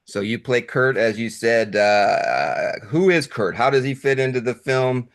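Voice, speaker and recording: A man hosting a conversational film interview, with slightly halting phrasing. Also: medium pitch. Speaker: interviewer, show host.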